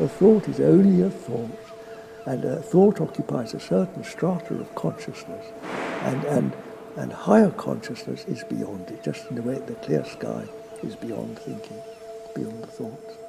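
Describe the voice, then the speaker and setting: A man talks at a fairly slow pace. Music can be heard behind him. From United Kingdom. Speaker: meditation teacher. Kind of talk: meditation talk.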